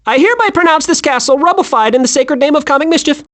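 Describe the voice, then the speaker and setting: Super high squeaky hyper squirrel for a cartoon game, really bouncy pitch, happy and childlike. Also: male voice, fast. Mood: excited. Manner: excitable, wide-eyed, naively cheerful. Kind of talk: animated video game voice acting.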